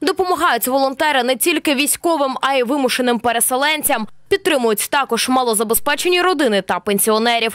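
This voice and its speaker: A woman's high-pitched voice at a fairly quick pace, with hardly any pauses, very even loudness and a dry, close sound with no echo. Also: lively intonation. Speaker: TV news reporter. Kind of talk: scripted narration.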